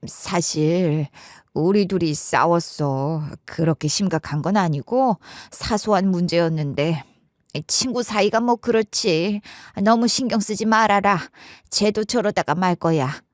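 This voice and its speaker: A woman's voice: mid-range voice, unhurried, no echo, clean studio sound, close to an everyday voice. A woman doing a hesitant middle-aged mother-in-law. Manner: hesitant, reproachful.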